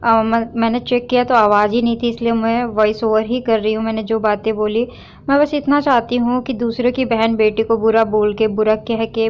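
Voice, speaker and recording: A woman's voice: fairly high pitch, highs cut off. A young woman vlogging from her home kitchen as she cooks, unwell and weak, chatting to viewers and then venting at online trolls. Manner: talks to viewers while doing chores, then vents against trolls. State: unwell and weak, neck pain. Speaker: village vlogger. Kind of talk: casual home vlog while cooking.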